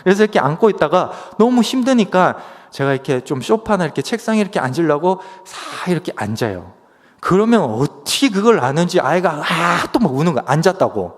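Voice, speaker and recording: A man in his thirties preaches in a fairly high, animated voice, drifting into a casual storytelling manner full of fillers. His words ring out with the long reverb of a church hall. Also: brisk. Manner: conversational storytelling with many fillers. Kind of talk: sermon with personal story.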